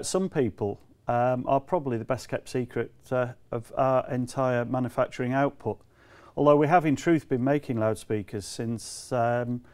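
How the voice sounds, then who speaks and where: A man presents products to camera in a measured, explanatory way, stressing key words. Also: mid-range voice, darkish tone, smooth. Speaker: company representative presenting products.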